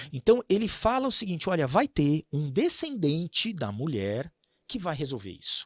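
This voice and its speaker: The sound is dry and close with no echo, on a very clean recording with a silent background. A man speaks at a moderate pace, fairly high in pitch, with very wide pitch swings. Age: 40s. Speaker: professor. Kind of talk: podcast interview. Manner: halting, with many fillers.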